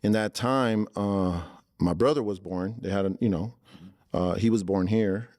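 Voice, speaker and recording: Relaxed, low-voiced man in his forties. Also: measured pace, dry recording, studio quality. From Los Angeles, born in El Salvador. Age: 40s. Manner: relaxed, loose, peppers talk with "man", frequent restarts. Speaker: podcast guest, entrepreneur. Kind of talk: casual interview talk.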